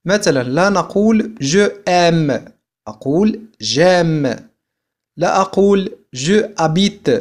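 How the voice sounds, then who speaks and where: A man from Algeria teaching a video French lesson, saying each example slowly and repeating it before explaining it in Arabic. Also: fairly high pitch.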